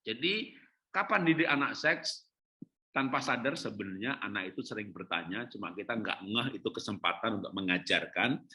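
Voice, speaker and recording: A middle-aged male pastor preaching on parenting, telling stories with lively acted-out dialogue and frequent laughter. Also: lowish voice, moderate pace. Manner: lively storytelling, acting out children and parents, laughing often. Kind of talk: sermon on parenting.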